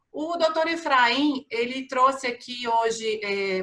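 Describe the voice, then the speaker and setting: A woman speaks at a high pitch. Her tone is bright and sharp. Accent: Minas Gerais. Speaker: energy sector lawyer. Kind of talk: panel debate speech.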